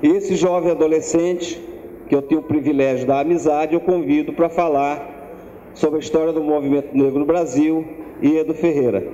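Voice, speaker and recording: A man's voice: fairly high pitch, fairly even intonation, moderate pace, mellow, a little hiss or hum. Man introducing a speaker in a hall. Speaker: event organizer introducing the speaker. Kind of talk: introduction speech. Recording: echoey hall, dull lo-fi sound.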